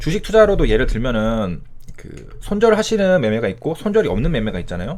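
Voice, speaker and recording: Amid audible room echo, a man with vocal fry and a fairly high pitch talks at a fairly quick pace, his pitch swinging very widely and his loudness shifting in big swings. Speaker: stock market YouTuber. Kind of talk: casual market commentary. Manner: stammering, halting.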